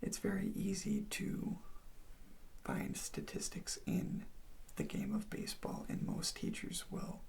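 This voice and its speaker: A person whispering an ASMR role play as a college advisor, explaining things in an unhurried, reassuring way. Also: medium pitch, huge pitch swings, creaky, darkish tone.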